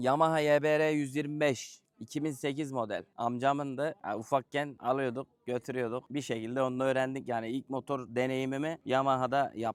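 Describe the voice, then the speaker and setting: Dry and close with no echo, an unremarkable speaking voice from a man at medium pitch moves at a fairly slow pace with hardly any pauses and fairly even intonation. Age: 20s. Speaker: motorcycle vlogger, former lathe operator. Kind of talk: casual Q&A chat.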